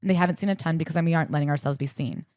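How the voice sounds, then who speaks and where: A young woman co-hosting a podcast, summarizing a book and reading passages aloud in a brisk, chatty way. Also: low-pitched, darkish tone, dry recording, clean studio sound. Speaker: podcast co-host. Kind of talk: casual book-club chat with read-aloud passages.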